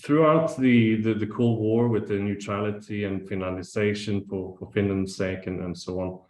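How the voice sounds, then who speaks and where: A man from Sweden with a very low voice, speaking on an academic panel. He halts and restarts often as he thinks aloud. His voice rings in an echoey room. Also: fairly even intonation, normal speed, darkish tone. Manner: hesitant, many restarts and fillers.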